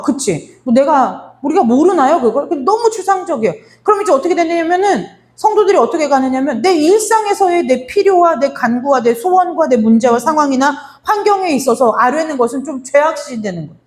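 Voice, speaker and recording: A woman's voice: sits high, sing-song, brisk, hardly any pauses. A middle-aged woman pastor preaching a sermon, telling a story to her congregation and acting out its lines of dialogue as she speaks to them directly.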